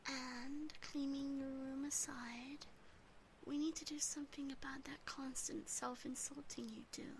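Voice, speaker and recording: A woman acts out an affectionate, possessive demon sister with a touch of haughty embarrassment. The voice is very high and soft, slow and breathy, often near a whisper in a close-miked ASMR roleplay with faint noise behind it. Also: little pitch movement. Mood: possessive, teasing. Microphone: close binaural microphone.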